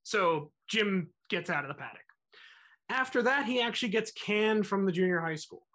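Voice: medium pitch, expressive, normal speed, fairly bright tone. A podcast co-host telling a music history story in a casual, conversational way, acting out quotes and using fillers.

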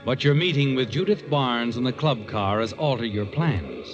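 A man's voice: medium pitch, lively intonation, normal speed, lo-fi sound, loud music behind the voice, natural voice. A male actor as the sly, taunting narrator of a 1940s radio crime drama, addressing the character in a knowing, insinuating way. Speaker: host and narrator.

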